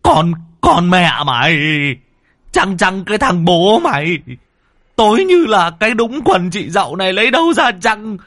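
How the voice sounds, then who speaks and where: A man's voice: mid-range voice, very animated, a little slow, long pauses, fairly bright tone, breathy edge, dry recording, clean studio sound, heavily acted. A man voicing a panicked old father-in-law who stammers and curses as he calls for help.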